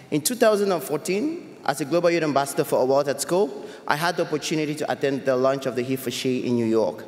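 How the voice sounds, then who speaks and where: A young man from Cameroon giving an earnest, measured personal talk as a youth advocate, with small restarts. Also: medium pitch. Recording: echoey hall with long reverb.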